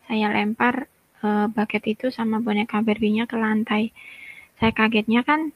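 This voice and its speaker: A woman's voice: on the high side, fairly even intonation, moderate pace, muffled recording. A woman in her thirties telling her personal testimony in a conversational way, with frequent fillers and direct asides to listeners. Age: 30s. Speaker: testimony guest.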